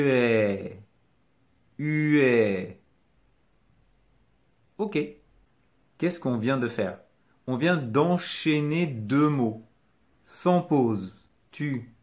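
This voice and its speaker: A man with a French accent teaching pronunciation and repeating each word patiently so the learner can follow. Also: mid-range voice. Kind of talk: slow, clearly articulated lesson.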